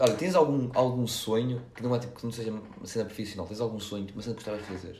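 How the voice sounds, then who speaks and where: Words come at a very fast pace in a European Portuguese accent, with ordinary pitch variation. Room echo is audible and background noise is noticeable. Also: man. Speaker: podcast co-host. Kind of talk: casual chat.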